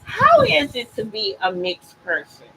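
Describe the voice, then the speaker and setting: A woman hosting a casual podcast, supportive and quick with affirming murmurs. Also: a little high, huge pitch swings, pushed and bright, slight background noise, low-quality recording. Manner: supportive, frequent affirming "mm-hmm"s. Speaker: podcast host.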